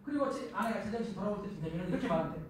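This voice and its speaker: A middle-aged man giving a lively lecture to a live audience, acting out the spouses he quotes in a raised voice. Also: high-pitched, racing. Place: lecture hall. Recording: echoey hall from far off, faint noise.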